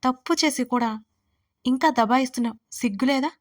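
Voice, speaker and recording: A woman's voice: high-pitched, fairly quick, lightly acted. A woman voicing an indignant young working woman who scolds and talks back in an audio story. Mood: defiant.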